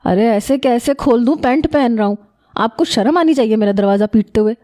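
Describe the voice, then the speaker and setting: Woman doing a cheeky young man, breezy and teasing, storybook reading, mellow voice. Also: fairly high pitch, natural voice.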